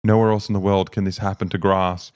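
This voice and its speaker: A man voicing an eerie old woman at a church, talking in a soft, insistent murmur. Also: sits low, little pitch movement, fast, clean tone, close to an everyday voice. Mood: eerie hushed.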